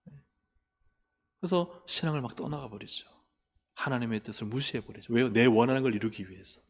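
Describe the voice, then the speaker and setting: Korean pastor preaching in a reverberant church. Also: male voice, medium pitch, fairly quick, creaky, slightly rough. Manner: rhetorical questions to the congregation, acts out complaining prayers in a raised voice. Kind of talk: sermon. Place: church sanctuary. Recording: long reverb of a church hall.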